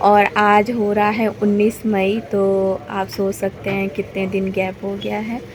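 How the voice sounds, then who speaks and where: With noticeable background noise behind her, a woman speaks at a fairly slow pace in a medium pitch, monotone and flat. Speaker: family vlogger. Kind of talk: casual vlog talk to camera. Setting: at home, parents' house; walking outdoors. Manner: casual, halting with repetitions.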